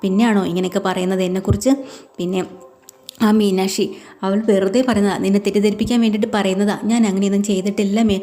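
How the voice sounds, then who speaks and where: A man's voice: sits high, flat delivery, fast talker, warm tone, natural voice. A woman voicing a sly, hot-tempered young man who keeps denying things and then makes bitter threats. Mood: defensive.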